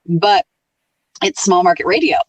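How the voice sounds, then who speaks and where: A middle-aged woman who works in radio, chatting casually and telling stories in an animated way as a podcast guest. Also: lowish voice, a little slow, slightly rough, dry recording, far from the mic, dull audio. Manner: animated storyteller, lively tone. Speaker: radio programmer and on-air host, podcast guest. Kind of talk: casual interview chat.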